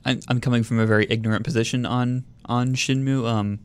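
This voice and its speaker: A man's voice: mid-range voice, steady tone, a little fast, clear, resonant tone. A man on a gaming podcast panel who speaks hesitantly and often repeats his words. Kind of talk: casual panel chat.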